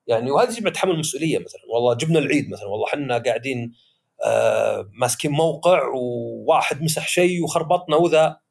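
A man chatting as podcast host, animated and acting out the voices he quotes. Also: mid-range voice, very fast, vocal fry. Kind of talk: casual podcast discussion.

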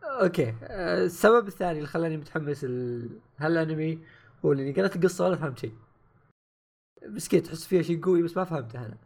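A man's voice: a little high, animated, racing, creaky, a little mellow. A man co-hosting a casual podcast chat, teasing his co-host and giving blunt opinions.

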